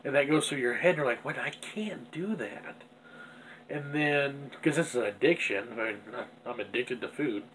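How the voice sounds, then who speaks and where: A man of middle pitch speaks with a stuffy, congested nose, rambling through a personal video diary. His talk is candid and self-critical, full of restarts. A faint hum sits behind him. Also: moderate pace, fairly bright tone, low-quality recording. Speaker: vlogger.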